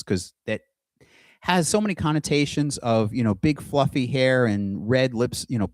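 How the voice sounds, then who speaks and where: Middle-aged man, unhurried and hesitant, casual solo video talk, close and dry sound. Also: mid-range voice, darkish tone, no room sound. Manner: halting, with many restarts and pauses. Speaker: aspiring singer and video host. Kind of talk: casual monologue to camera. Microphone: computer mic with screen sharing.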